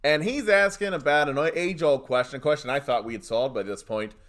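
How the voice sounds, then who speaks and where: In a mid-range, fairly bright voice that runs a little fast, a man co-hosting a comedy advice podcast rants emphatically in short, mock-indignant declarations. The talk is comic advice banter and storytelling rants.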